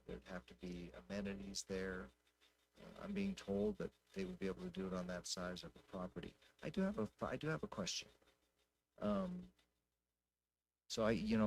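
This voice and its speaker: A man speaking informally at a public council meeting, thinking out loud in a folksy, conversational way. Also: medium pitch, gravelly, poor audio. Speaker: city council member.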